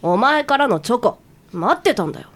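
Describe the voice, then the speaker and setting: A woman voicing a cocky, brusque schoolboy who talks roughly and mumbles low in a drama scene. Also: big pitch swings, brisk, a little hiss or hum. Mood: gruff.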